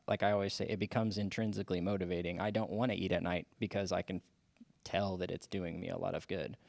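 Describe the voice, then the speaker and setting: A man in his forties talking casually as a podcast guest, halting with many restarts and fillers. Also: sits low, little pitch movement, gravelly, no room sound. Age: 40s. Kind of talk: casual interview chat.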